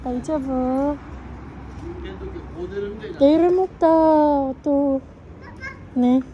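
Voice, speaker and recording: A woman's voice: high-pitched, fairly even intonation, extremely slow, dull audio, background noise. A woman with a Filipino accent chatting casually for a family vlog, outdoors in a park. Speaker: family vlogger and parent.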